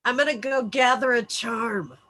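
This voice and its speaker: A woman's voice: fairly high pitch, moderate pace, pushed and bright. A woman playing a brash, clueless, crude and defensive young American man in a screenplay table read. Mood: cocky.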